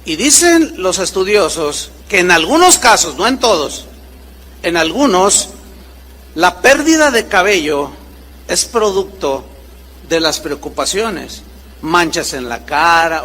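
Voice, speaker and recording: A man preaches in a high, bright voice with a long reverb behind him, the way a large hall sounds. He swings his pitch widely as he acts out short exchanges between people in his stories. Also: slow. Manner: animated preaching with acted-out dialogue voices. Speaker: pastor. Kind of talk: sermon.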